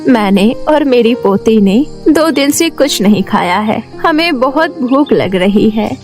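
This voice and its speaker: Woman doing a hungry old granny, pleading, high voice, cartoon story. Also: expressive, measured pace, darkish tone, soft background music. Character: poor hungry old grandmother.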